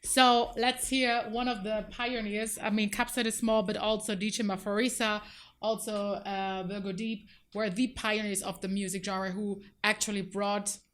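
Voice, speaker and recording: A woman hosting a radio show in a studio, relaxed and chatty, with fillers and self-deprecating asides. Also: medium pitch, moderate pace. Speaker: radio host. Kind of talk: radio show presenting and interviewing.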